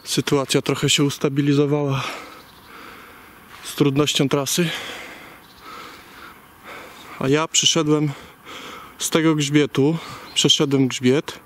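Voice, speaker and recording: A man in his forties talks in a level, even tone as he walks a leafless forest. His voice comes through an action camera held on a stick, with faint hiss from the outdoors behind him. He speaks plainly and takes his time. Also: on the high side. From Poland. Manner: unhurried, plain, talks while walking. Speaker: hiking vlogger. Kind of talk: casual spoken walk-through narration. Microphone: action camera on a selfie stick.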